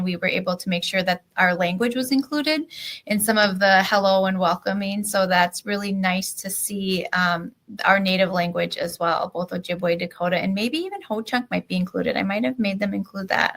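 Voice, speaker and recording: A young woman county commissioner chatting on radio, upbeat and quick with easy laughter. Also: medium pitch, a bit bright. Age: young adult. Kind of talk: casual radio conversation.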